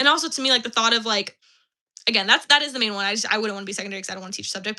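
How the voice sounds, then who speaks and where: A woman speaks at a fairly high pitch with a bright, sharp tone. The background is quiet. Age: 20s. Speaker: streamer and student teacher. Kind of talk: casual chat. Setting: livestream.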